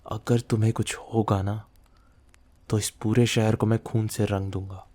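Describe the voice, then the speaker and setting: A man's voice: on the low side, little pitch movement, measured pace, warm tone. A man playing a possessive, menacing mafia boss lover in an intimate ASMR roleplay, speaking in a threatening, teasing way to the listener. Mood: worried, possessive.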